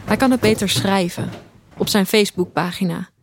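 An actress playing a detached, introspective woman who narrates her own story in a deadpan, reflective way for an audio drama. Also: mid-range voice, moderate pace, creaky, a little hiss or hum, close to an everyday voice. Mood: matter-of-fact. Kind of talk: scripted first-person audio drama narration. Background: music.

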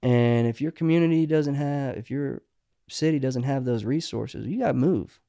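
A man's voice: medium pitch, normal speed, gravelly, warm tone, no room sound, clean studio sound. A middle-aged man, a songwriter guest, talking casually and rambling with many restarts. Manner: rambling, restarts often, says "you know" a lot. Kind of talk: casual podcast conversation.

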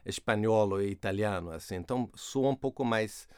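A man's voice: on the low side, normal speed, a little mellow, clean tone, no room sound, studio quality. Swedish-accented man, hesitant storyteller. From Sweden. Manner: hesitant, with many fillers and restarts. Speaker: guest. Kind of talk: conversational interview storytelling.

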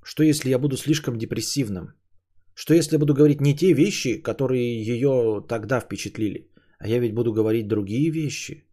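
A man in his thirties, a podcast host, musing aloud in a rambling solo monologue, swearing casually and drifting between livelier and quieter stretches. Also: mid-range voice, a little fast. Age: 30s.

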